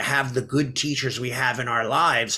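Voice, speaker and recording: This man has a bright, sharp tone and an American accent. He speaks at a fairly quick pace. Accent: Long Island, suppressed. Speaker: martial arts school owner and podcast co-host. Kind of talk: casual podcast chat.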